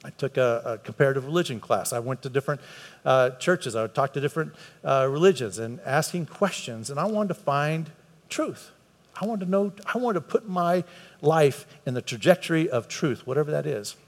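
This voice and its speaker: A man's voice: on the high side, animated, a little fast. An earnest man delivers a conversational sermon, his somewhat raised voice climbing whenever he leans on a point. He repeats words and phrases for emphasis. His voice carries with a long reverb through a church hall filled with a congregation. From United States. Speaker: preacher.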